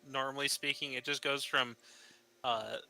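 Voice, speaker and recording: A man from Texas in casual group chat, telling things in a halting, conversational way. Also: medium pitch, fairly even intonation, gravelly, pushed and bright, low-quality recording. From Texas, United States.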